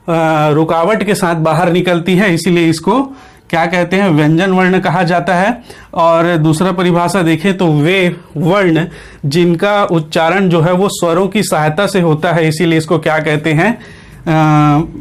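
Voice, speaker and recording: High-voiced male grammar teacher quizzing himself. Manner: asks the class questions, then answers them himself; repeats key points with frequent checks. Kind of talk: online exam-prep lecture.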